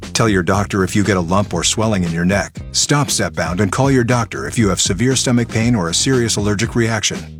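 Lowish male voice rattling off drug side effects, flat, faint music underneath. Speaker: ad announcer. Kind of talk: rapid legal disclaimer read.

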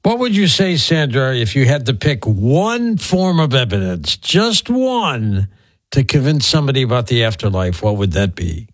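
A man's voice: mid-range voice, very animated, moderate pace, no echo. A man hosting a radio interview and asking short, probing questions. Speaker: radio host.

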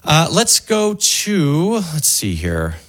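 A man hosting a call-in radio tech show, quick and chatty as he takes calls. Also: fairly high pitch, wildly swooping pitch, a bit bright.

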